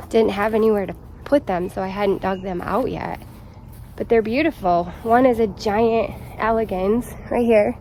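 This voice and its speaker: A woman vlogging in her garden, chatty and excited, a little out of breath as she rambles. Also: mid-range voice, slight background noise. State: slightly out of breath. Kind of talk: casual vlog chat. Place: outdoors in a shade garden.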